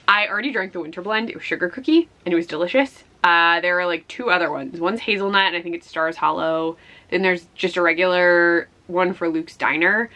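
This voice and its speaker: Bright, slightly hoarse woman chatting. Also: fairly low pitch. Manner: rambling, self-deprecating asides. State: slightly hoarse after flu. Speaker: book vlogger hosting a year-end favorites video. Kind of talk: casual chatty vlog talk.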